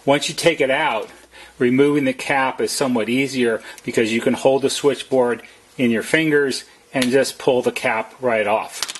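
A man with a slightly husky voice narrates a how-to as a service technician, explaining plainly and methodically, step by step. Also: mid-range voice, a little hiss or hum. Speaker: service technician giving a tutorial.

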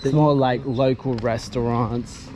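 A man's voice: medium pitch, fairly even intonation, a little slow. A man walking and chatting as a travel vlogger outdoors, laughing often and dropping in a few Spanish greetings. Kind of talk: casual walking commentary. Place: outdoors on a sunny residential street. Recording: street noise behind.

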